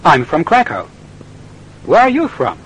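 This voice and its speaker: An actor playing a polite young foreign student who speaks careful, formal, slightly halting English in a scripted lesson dialogue. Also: male voice, on the high side, huge pitch swings, fairly bright tone, husky, full character voice, poor audio. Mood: earnest. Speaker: interviewee.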